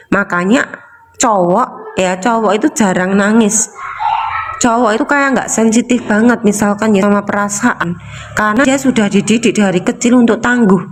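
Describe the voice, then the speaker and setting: A woman, a coach who gives a casual teaching talk, repeats herself and asks rhetorical questions. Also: mid-range voice. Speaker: emotional release coach.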